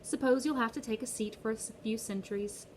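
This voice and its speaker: A woman voicing Charon, a smooth, cold male ferryman of the dead with a British-tinged foreign accent, in a condescending drawl. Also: fairly high pitch, fairly quick, a little mellow, a little hiss or hum, natural voice. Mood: smug.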